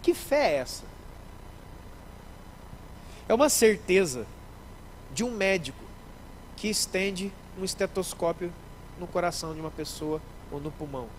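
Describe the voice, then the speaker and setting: A man, a pastor preaching a sermon in church, lively, acting out little scenes and speaking straight to the congregation. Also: high voice, a little slow, pauses often, a little hiss or hum, rough recording. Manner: animated, acts out scenes, addresses the congregation directly.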